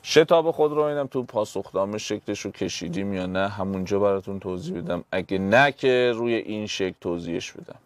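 A physics teacher works through exam problems step by step, speaking directly to his students. His voice is fairly low and animated, and he rarely pauses.

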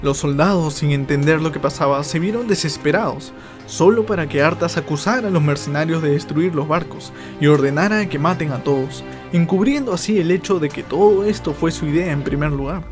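A man's voice: a little high, a little fast, over music. A man giving scripted story narration as the narrator of a game lore video.

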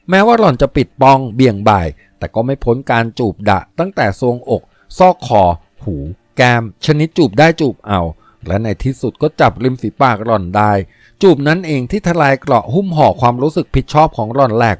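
A man narrating a novel as an audiobook reading in a steady storytelling manner. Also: medium pitch, dry recording, clean studio sound.

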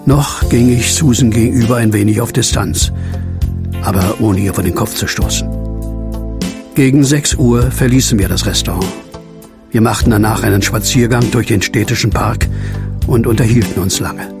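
An actor playing a brooding widower who tells his horror story in an earnest, measured, reflective way in an audio drama. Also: on the low side, close to an everyday voice. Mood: wistful, reflective. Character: brooding widowed man haunted by a werewolf. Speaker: narrator and lead character. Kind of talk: German audio drama acting, first-person narration. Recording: music under the voice.

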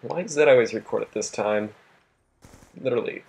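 A young man with a husky, worn voice that he is losing, giving casual gameplay commentary, swearing and talking to himself. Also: mid-range voice, a little fast, darkish tone. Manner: swears a lot, laughs often, talks to himself. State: losing his voice. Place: home at night.

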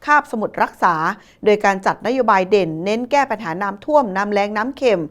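A woman presents a scripted news report as a news presenter. Her voice sits at an average pitch for a woman. The delivery is polite and formal. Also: lively intonation, fast talker.

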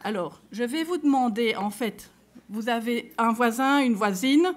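A woman with a Belgian French accent addresses a live audience in a conference room, her voice sitting a little high. She talks in a loose, conversational way, turning to her listeners directly and reading short example cases aloud. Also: a little slow. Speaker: conference speaker.

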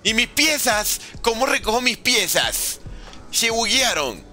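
A man's voice: very high-pitched, very animated, takes it slowly, pushed and bright, soft background music. A man streaming live gameplay, commenting and joking playfully with chat while using Mexican slang. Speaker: gaming streamer.

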